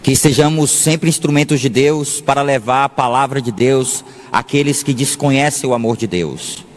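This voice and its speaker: A Brazilian man from Salvador preaching a homily as a Catholic priest, deliberate, with frequent pauses and phrases repeated for emphasis. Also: medium pitch. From Salvador, Bahia, Brazil. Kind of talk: sermon. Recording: long echoing reverb of a large hall.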